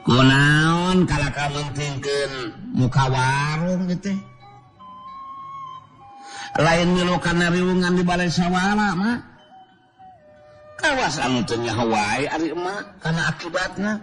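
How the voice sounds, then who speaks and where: A man's voice: on the high side, slow pace, long pauses, music in the background, pitched above the performer's own voice. A man voicing a young male fighter who scolds an old woman in a storybook tale. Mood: scolding. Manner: reproachful.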